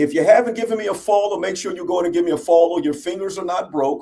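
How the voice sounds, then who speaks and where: Lively intonation runs through this man's dark, mellow tone. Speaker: day trading coach. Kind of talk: live trading stream. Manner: fast; animated.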